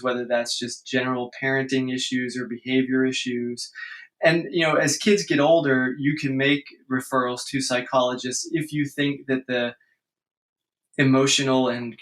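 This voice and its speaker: A man with a bright, clear-edged voice at an average pitch explains clinical ideas earnestly in casual podcast talk. He often repeats and restarts words as he thinks aloud. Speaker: guest speech-language pathologist. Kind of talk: conversational podcast interview.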